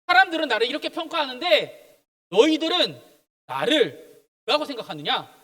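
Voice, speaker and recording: Jesus speaks to his disciples in a gentle, questioning way, voiced by a young preacher telling the story to children. The voice is high and bright, and it lifts as he speaks. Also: very animated, normal speed, heavily acted. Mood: earnest. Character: Jesus answering his disciples, calm adult man.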